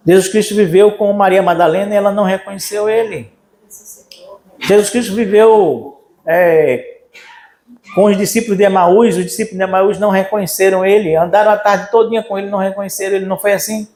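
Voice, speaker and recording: Animated Brazilian pastor in echoey church. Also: male voice, sits high, brisk. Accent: Brazilian Portuguese. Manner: animated preaching, acting out quoted voices. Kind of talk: sermon.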